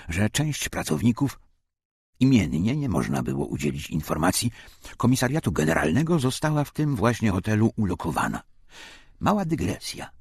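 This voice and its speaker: Very husky, low-voiced male narrator. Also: a little mellow, dry recording, studio quality. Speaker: audiobook narrator. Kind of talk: scripted narration of wartime memoir.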